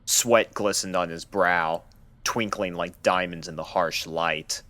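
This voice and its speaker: A man narrating a scripted horror story in a measured, dramatic storytelling manner. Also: deep voice, fairly even intonation, bright, forceful tone, dry recording. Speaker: narrator of fan fiction readings.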